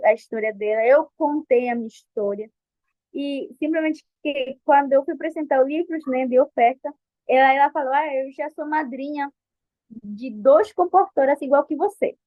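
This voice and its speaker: A young woman giving a candid, lively testimony in an interview, often restarting her sentences. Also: sits high, dry recording. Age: young adult. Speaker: interviewee, book colporteur. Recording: dull lo-fi recording.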